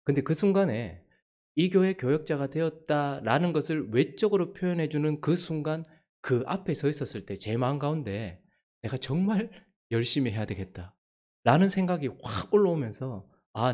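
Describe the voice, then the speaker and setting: A male pastor preaching in a church, his voice sitting a little high for a man and swinging widely up and down. He tells a personal story with animation and acts out the people he quotes. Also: expressive, normal speed, a little mellow.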